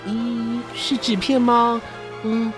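Woman as high-voiced, excitable boy Peter Pan. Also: slow, music in the background. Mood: puzzled. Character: young boy Peter, curious, brave, easily riled.

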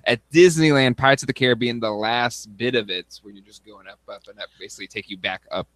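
A man's voice: medium pitch, quick pace, a bit bright, no echo, poor audio. A man in his thirties co-hosting a casual chat, hesitant with many fillers. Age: 30s. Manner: hesitant, lots of fillers, reads aloud. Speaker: podcast co-host.

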